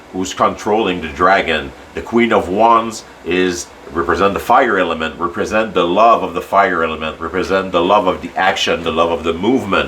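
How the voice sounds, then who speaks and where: A man with a Quebec French accent, very deep and low in pitch, at a moderate pace amid audible room echo and noticeable background noise. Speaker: tarot reader. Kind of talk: tarot reading. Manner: halting.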